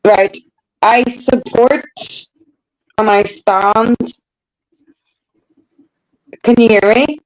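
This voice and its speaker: A woman calling into a heated online panel discussion, speaking slowly and emphatically while her call audio glitches and cuts out. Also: on the high side, rough recording. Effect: choppy, glitching call audio that cuts out.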